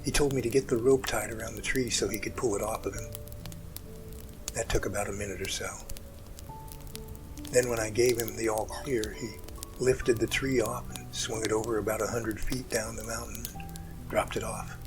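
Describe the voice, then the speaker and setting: Guy acting as emotional rescue guy in an audio drama, earnest halting storytelling, music playing under him. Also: fairly low pitch, fairly even intonation, close to an everyday voice, poor audio. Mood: earnest, awed. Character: emotional male mountain rescuer recounting a harrowing rescue.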